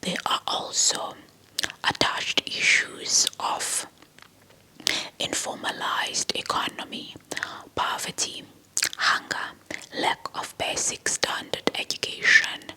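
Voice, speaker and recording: A woman giving a whispered ASMR lecture in a breathy, unvoiced whisper, deliberate and often repeating words and phrases. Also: bright, forceful tone, poor audio. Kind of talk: whispered ASMR lecture, reading informational text.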